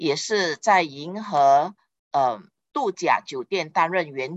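Dry and close with no echo, a woman with a fairly low pitch speaks at a very slow pace. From Malaysia. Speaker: event planner and PR firm founder. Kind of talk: online lecture.

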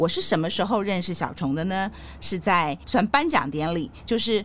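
This woman has an unremarkable speaking voice, medium pitch, lively intonation and a moderate pace. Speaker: interpreter and podcast host. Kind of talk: casual interview.

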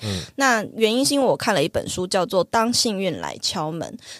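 Speaking at a fairly quick pace with vocal fry, a woman at medium pitch is heard in a dry, close sound with no echo, in a very clean recording with a silent background. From Taiwan. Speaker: podcast host. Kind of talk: casual chat.

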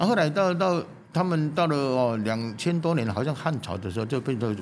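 Using lively intonation, a man talks at a moderate pace. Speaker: Taoist priest. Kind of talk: interview, explaining customs and telling old stories. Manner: halting, many filler sounds.

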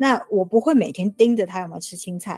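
A woman's dark, mellow tone at a fairly quick pace, with ordinary pitch variation. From Taiwan until age 12, then South Africa. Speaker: full-time mother. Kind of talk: casual interview.

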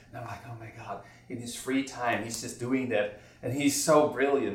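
A man with a Dutch accent talks at a medium pitch with ordinary pitch variation, and the room echo is audible. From Netherlands. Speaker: voice teacher and performer. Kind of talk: interview. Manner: animated.

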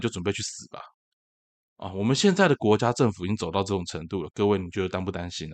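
A man's fairly low voice at a fairly quick pace, with ordinary pitch variation and a quiet background. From Taiwan, Tainan. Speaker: podcast host, political commentator. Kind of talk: solo political commentary.

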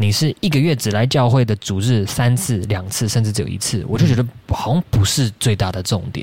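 The somewhat breathy voice moves at a fairly quick pace with ordinary pitch variation and hardly any pauses. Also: man, medium pitch for a man. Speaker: pastor and YouTuber. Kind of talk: casual interview.

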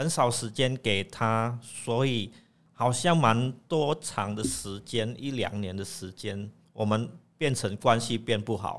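This man speaks very slowly at a medium pitch with ordinary pitch variation, in a very clean recording with a silent background. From Indonesia. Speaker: university student counselor and immigrant rights volunteer. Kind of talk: casual interview chat.

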